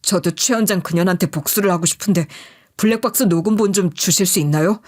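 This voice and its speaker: A woman's voice: fairly low pitch, quick pace, darkish tone, close to an everyday voice. A woman voicing a disgraced, vengeful office manager in an audio story, aggrieved, wordy and pleading.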